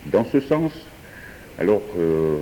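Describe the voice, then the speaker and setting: Slow deep-voiced man. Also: very animated, warm tone, slight background noise. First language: Georgian. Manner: hesitant, many pauses and fillers. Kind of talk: improvised philosophical talk. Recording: distant voice in a reverberant hall.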